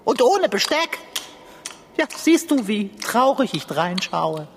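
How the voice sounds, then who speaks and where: Casting: a woman as a theatrical, self-pitying black tomcat for a children's audio play, pitch swooping wildly, over a noisy hiss. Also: very animated, slow pace. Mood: whiny. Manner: dramatic, theatrical complaining.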